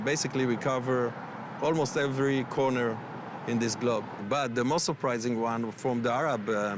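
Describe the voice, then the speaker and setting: Israeli man answering, hesitant, street noise. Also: medium pitch. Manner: hesitant, many fillers. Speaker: interviewee, station founder. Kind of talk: interview answer.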